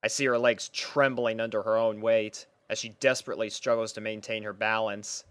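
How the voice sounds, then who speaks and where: A man's voice: on the low side, little pitch movement, a little fast, a bit bright, clean tone, no echo. A young man reading a scripted first-person story as its narrator.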